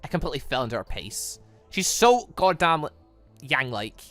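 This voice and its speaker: Animated, bright-voiced man doing gaming commentary. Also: fairly high pitch, moderate pace, soft background music. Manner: animated, reacting and interjecting mid-reading. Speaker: gaming channel host. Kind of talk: casual let's-play commentary, reading visual novel dialogue aloud.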